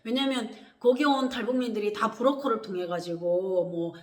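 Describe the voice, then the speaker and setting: A woman from Korea, telling her personal story in a lively way, acting out what others said. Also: mid-range voice, moderate pace. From North Korea. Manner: animated, acts out quoted voices with gasps and laughs. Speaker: vlogger. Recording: echoey room.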